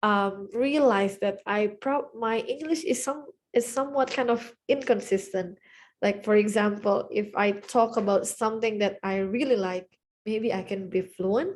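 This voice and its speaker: With an Indonesian accent, a woman speaks at a moderate pace and fairly high pitch, varying it in an ordinary way. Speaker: PhD student vlogger. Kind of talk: personal vlog monologue. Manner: halting, many fillers and false starts.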